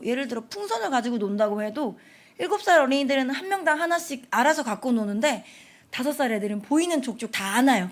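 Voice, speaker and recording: A young woman gives a lively storytelling sermon to families, jumping in and out of the small voices of children she describes. Her voice sits a little high and bright. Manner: animated, acts out children's voices. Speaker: preacher at family prayer service.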